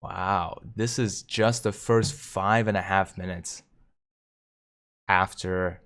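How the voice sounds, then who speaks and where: A man hosting a live stream, commenting on stock charts and reading viewer comments aloud with excitement. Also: low voice, slow, clear, resonant tone. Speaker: livestream host.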